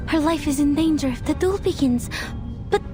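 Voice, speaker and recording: An actress playing a nervous, earnest young assistant investigator who hesitates and frets to herself, in video game style. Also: female voice, sits high, moderate pace, close to an everyday voice. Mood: anxious. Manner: hesitant, anxious self-talk with broken-off thoughts. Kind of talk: dramatic video game voice acting. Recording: music behind the voice.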